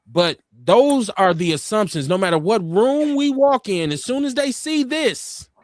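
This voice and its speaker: A man's voice: a little slow, no echo, studio quality. A man with an urban Black American accent who hosts a live online talk show, speaking casually, turning preachy as he makes his points and reading viewer comments aloud. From United States. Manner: animated, preachy, leaps up high in pitch to make points.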